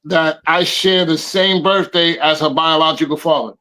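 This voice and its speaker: A man's voice: fairly high pitch, fairly even intonation, normal speed, bright, forceful tone, poor audio. A man in his fifties chatting on a podcast, effusive and repeating phrases for emphasis. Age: 50s. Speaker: podcast guest DJ. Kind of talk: casual podcast chat.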